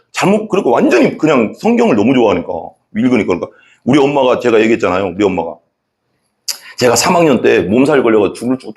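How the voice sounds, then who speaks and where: A male pastor preaching a sermon, telling his own testimony with animated storytelling and acting out the people in it. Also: medium pitch.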